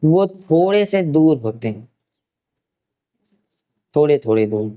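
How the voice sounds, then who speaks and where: Man with a smooth, resonant teaching voice. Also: fairly high pitch, lively intonation, warm tone. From Uttar Pradesh, India. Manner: asks rhetorical questions and answers them himself; repeats key terms slowly for note-taking. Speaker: science teacher. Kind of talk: classroom science lecture.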